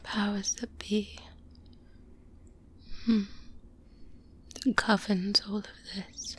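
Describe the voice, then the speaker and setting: A woman playing a seasoned vampire hunter, a calm and protective mentor, in a soft-spoken ASMR roleplay, hushed and breathy, close to the microphone. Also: mid-range voice. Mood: grave, reflective. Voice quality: breathy, whispery. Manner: slow, deliberate, hushed, with long pauses. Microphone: close-up binaural microphone.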